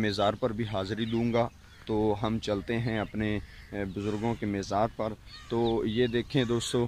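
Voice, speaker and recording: In a dry sound with no echo and light background noise, a man speaks at a fairly low pitch with monotone, flat intonation. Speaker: village vlogger. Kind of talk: casual vlog chat. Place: open country. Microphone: phone near.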